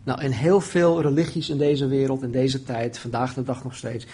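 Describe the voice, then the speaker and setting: A man preaching a sermon, often raising his voice when quoting pleas and dropping low and quiet on solemn points. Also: moderate pace, slightly rough. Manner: animated, voices the prophet's pleading with rising pitch.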